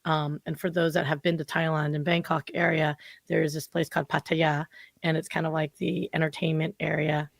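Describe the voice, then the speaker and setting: A low, creaky-voiced woman in her forties talks briskly as a guest on a podcast, where she works as a marketing consultant. The conversation is a loose, lively interview, and she leans heavily on "like" as a filler. No room sound is audible.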